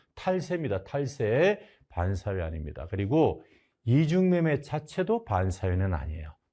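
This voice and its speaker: At a moderate pace, a somewhat breathy man with a medium pitch makes very wide pitch swings on a very clean recording with a silent background. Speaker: exam prep lecturer. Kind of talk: lecture. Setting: studio.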